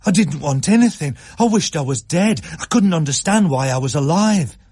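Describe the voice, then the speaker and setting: A man's voice: on the high side, lively intonation, moderate pace, a little mellow, husky, no room sound, clean studio sound, voice pushed up. A man voicing a frightened working-class schoolboy who blurts his words out urgently. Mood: upset. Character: scared working-class schoolboy, boy's mate.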